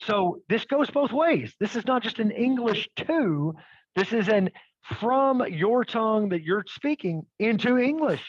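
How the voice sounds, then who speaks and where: A man's voice: sits high, animated, measured pace, no room sound, dull audio. A man presenting a live webinar demo, upbeat and checking in with the audience as he goes. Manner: upbeat, addresses audience with "okay?" and "right?".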